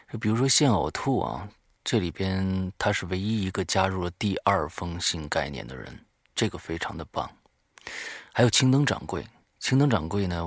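A low, gravelly man hosts an audio show, talking informally to listeners. His voice is husky and recorded very dry. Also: no echo. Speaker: horror audio show host. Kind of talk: semi-scripted talk to listeners.

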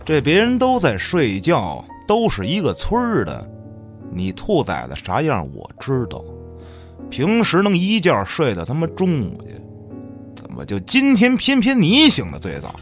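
A man playing a tough, suspicious, hot-tempered village miner in an audio drama, with a gravelly voice and coarse, menacing manner. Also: a little high, huge pitch swings, unhurried, full character voice. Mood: angry, accusing. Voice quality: gravelly, creaky. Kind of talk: Chinese audio drama acting. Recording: background music under the voice.

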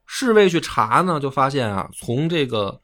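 A man's voice: mid-range voice, big pitch swings, normal speed, fairly bright tone. A man telling history in a colloquial, slangy way. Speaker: history storyteller. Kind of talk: casual storytelling chat.

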